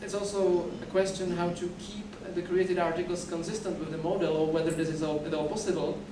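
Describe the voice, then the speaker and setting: A man's voice: sits high, level tone, brisk. A young man giving a conference talk at a podium, often repeating words and restarting as he explains. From Czech Republic. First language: Czech. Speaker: conference speaker. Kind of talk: conference presentation. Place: dim lecture hall, at a podium. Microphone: podium mic, recorded from a far camera. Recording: echoey hall recorded from far off, noisy.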